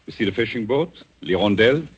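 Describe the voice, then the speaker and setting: A man playing a calm, vengeful avenger in a 1940s radio drama, speaking in a measured, theatrical way on a dull old broadcast recording. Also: lowish voice, husky. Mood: gentle guiding.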